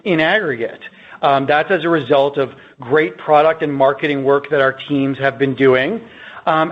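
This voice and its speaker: A man answers as a company executive on an earnings call, measured and explanatory, with a mid-pitched voice. The sound is slightly muffled and lo-fi, as on a conference line.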